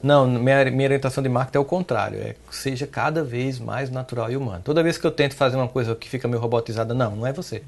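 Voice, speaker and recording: A middle-aged man from Paraíba talks through an interview as a psychologist. His delivery is animated, with his pitch leaping upward whenever he stresses a point, and he keeps checking in with short tags like "né?" and "entende?". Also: very fast, gravelly, few pauses. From Paraíba, Northeast Brazil. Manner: animated, pitch jumping up on emphasis, frequent "né?" and "entende?". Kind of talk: reflective interview talk.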